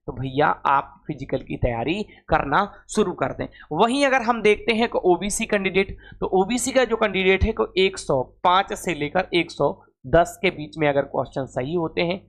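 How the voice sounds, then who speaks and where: A man's voice: sits high, moderate pace. A man teaching an informal exam coaching lesson, repeating phrases and figures for emphasis and addressing students in a familiar way. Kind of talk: informal lesson, explaining exam cut-offs.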